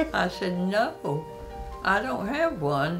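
Clear music plays behind a woman with an American accent whose pitch swings very widely. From Florida. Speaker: retired teacher. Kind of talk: interview answer. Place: home room.

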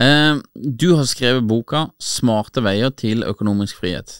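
Lively intonation marks this man's fairly slow delivery. The sound is dry with no echo, and the background is quiet. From Norway. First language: Norwegian (speaking Swedish). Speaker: podcast host. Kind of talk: casual interview. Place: studio. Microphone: studio mic.

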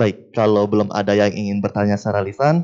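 Against a quiet background, a man speaks at a very fast pace with a fairly low pitch and a dark, mellow tone. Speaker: MC; Q&A moderator at temple service. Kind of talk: moderating Q&A. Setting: temple with live audience. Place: hall. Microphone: handheld.

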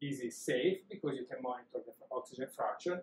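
A man's voice comes through somewhat breathy. Room echo is audible, with light background noise. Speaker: clinician demonstrating equipment. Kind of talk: tutorial. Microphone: camera far.

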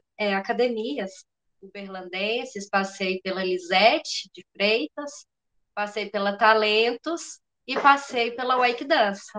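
This is a woman with a normal speaking voice, fairly high in pitch. Her intonation is lively, and the background is quiet. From Minas Gerais, Brazil. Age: 40s. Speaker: dancer and psychologist. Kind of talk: talk about her career. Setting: video call. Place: home room. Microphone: video call.

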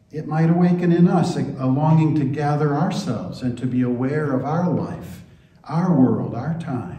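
At a moderate pace, a man speaks at a fairly high pitch with ordinary pitch variation amid audible room echo. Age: 60s. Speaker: priest. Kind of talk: sermon. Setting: church. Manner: calm. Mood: calm, reflective. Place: church. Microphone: camera far.

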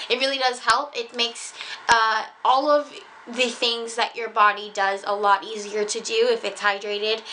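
Moderate-paced speech from a woman, with light background noise. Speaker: vlogger. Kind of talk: casual vlog chat. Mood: cheerful, chatty. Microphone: phone near.

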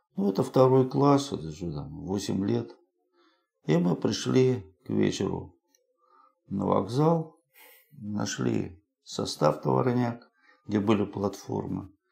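Very slow, fairly low male speech with very wide pitch swings and long, frequent pauses over faint music in the background. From Russia. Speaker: retired teacher and beekeeper; retired teacher. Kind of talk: casual interview answers telling childhood stories. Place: home room. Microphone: lapel.

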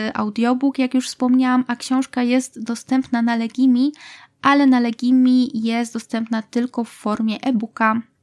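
Heard in a dry, close sound with no echo, a woman speaks in a high pitch. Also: very clean recording, silent background. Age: 20s. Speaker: book podcaster. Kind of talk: book review monologue.

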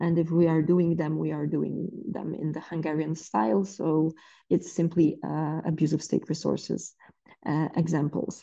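A woman with a Polish accent speaks at a fairly slow pace against a quiet background. Her very deep, low pitch has a dark, mellow tone, vocal fry and fairly even intonation. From Poland. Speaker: academic discussant; panel discussant. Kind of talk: panel discussion. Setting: video call. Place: home room. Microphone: earbuds.

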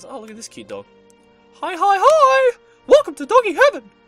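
A put-on character voice at an extremely high pitch, with a cheerful tone, very wide pitch swings and a moderate pace over faint background music. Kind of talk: let's play commentary, reading game dialogue in a playful voice. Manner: cheerful, welcoming.

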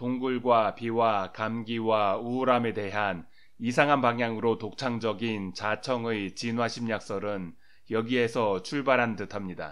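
At a very slow pace, a man speaks with medium pitch and fairly even intonation. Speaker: science commentator. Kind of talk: scripted narration. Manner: formal.

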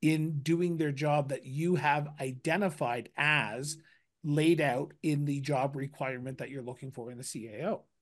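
Over a quiet background, a man with a fairly high, somewhat breathy voice speaks at a moderate pace with ordinary pitch variation. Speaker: podcast host. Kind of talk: interview on municipal governance. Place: studio. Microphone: studio mic.

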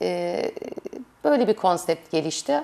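Lively intonation marks this woman's speech, which carries vocal fry. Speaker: guest. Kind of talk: interview answer. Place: studio.

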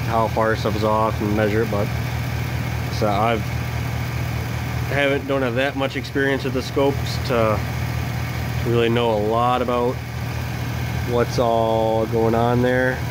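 Speech comes at a fairly slow pace with long, frequent pauses. Noticeable background noise is present. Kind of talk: tutorial. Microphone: phone near.

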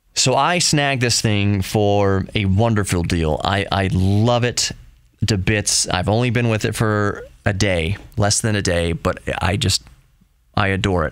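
A resonant man with an American accent and a fairly low pitch talks at a fairly slow pace, keeping very even loudness and ordinary pitch variation. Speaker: tech radio host. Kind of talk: casual solo podcast monologue.

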